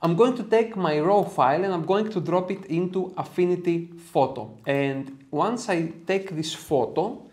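A man's voice: sits high, a little slow, darkish tone. Upbeat Greek-accented man teaching photo editing. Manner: upbeat and chatty, jokes about himself. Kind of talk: software tutorial with casual asides. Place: small home studio room with red lighting.

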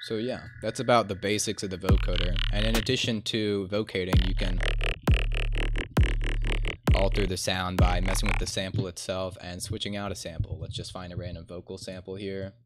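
A man's voice: deep voice, little pitch movement, normal speed. A man in his twenties giving a casual, laid-back music production tutorial in an informal, colloquial way. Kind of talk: casual screen-share tutorial. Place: indoor room at a computer desk. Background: loud electronic synth sounds.

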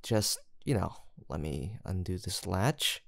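A man playing a gentle, gravelly-voiced rescuer. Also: low voice, expressive, takes it slowly, dry recording, studio quality, heavily acted. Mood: coaxing. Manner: soft teasing, coaxing and reassuring. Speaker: voice actor in an audio roleplay. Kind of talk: audio roleplay to the listener.

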